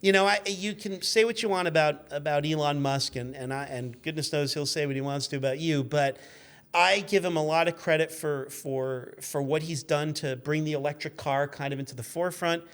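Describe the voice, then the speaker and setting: A man's voice: a little high, steady tone, normal speed, fairly bright tone, smooth. A man in his fifties chatting casually as a guest, telling rambling stories and acting out the exchanges he quotes. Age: 50s. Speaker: guest, car magazine editor. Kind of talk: animated anecdotal storytelling, casual chat.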